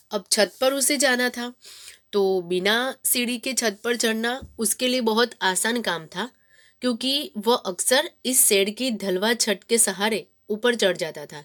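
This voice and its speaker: A woman teacher reads a textbook story aloud, then repeats and paraphrases each sentence for students. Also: mid-range voice. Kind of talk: reading and explaining a textbook story.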